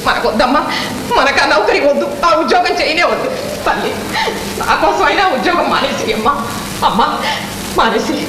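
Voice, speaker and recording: A woman's voice: high voice, animated, fairly quick, pauses often. A woman acting an anxious, scolding, protective middle-aged mother in a Telugu film drama. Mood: pleading. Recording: very echoey, faintly noisy old film.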